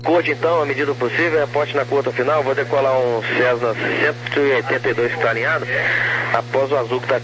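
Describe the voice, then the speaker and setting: A Brazilian man working as a tower controller, giving brisk instructions over crackly aviation radio. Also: medium pitch, steady tone. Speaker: air traffic tower controller. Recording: crackly radio with clear noise and hum.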